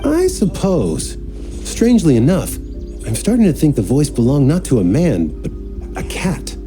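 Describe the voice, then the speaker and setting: A man playing an earnest, flustered young temple member in a video game, speaking formally with halting apologies. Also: on the high side, wildly swooping pitch, over music. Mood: earnest, troubled.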